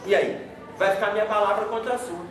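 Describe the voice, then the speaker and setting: A man's voice: high-pitched, steady tone, fast. A man giving a lecture, telling a story and checking in with the audience. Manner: storytelling, acts out dialogue, frequent "tá?" check-ins. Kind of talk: spiritist lecture with audience questions. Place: lecture hall. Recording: echoey hall from far off, noisy.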